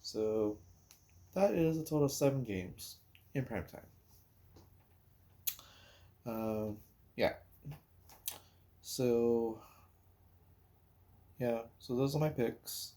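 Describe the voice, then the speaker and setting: A man talks casually about sports at a slow, unhurried pace. His voice is mellow and relaxed, and he rambles hesitantly, pausing as he thinks out loud like a solo podcast host. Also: mid-range voice. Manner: rambling, hesitant, pauses while recalling and counting.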